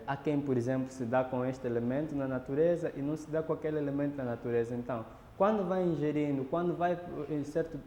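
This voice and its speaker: A man's voice: fairly high pitch, dark tone, slight background noise. A man explaining ritual practice in a documentary interview, lecturing and often adding tag questions. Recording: roomy echo with long reverb.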